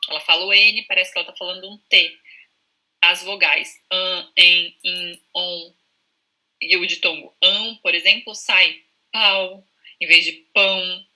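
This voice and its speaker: A woman's voice: on the low side, bright, forceful tone, rough recording. A woman with a Brazilian Portuguese accent, a speech-language therapist patiently explaining speech over a video call and sounding out examples. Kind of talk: explanatory interview answers.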